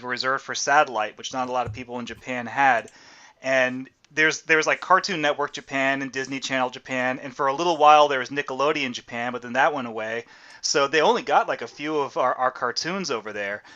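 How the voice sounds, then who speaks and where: A man's voice: medium pitch, a little fast, bright, forceful tone. A man chatting casually as a podcast host, explaining at length and swearing now and then. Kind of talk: casual chat. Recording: muffled lo-fi audio.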